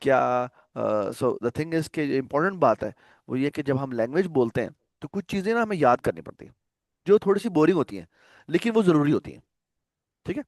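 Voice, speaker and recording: A man's voice: fairly high pitch, very animated, a little fast, darkish tone, no echo, clean studio sound. A man teaching a programming class on a video call, talking casually and often asking students whether they follow. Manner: conversational, checks understanding with frequent questions. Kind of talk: casual online lecture.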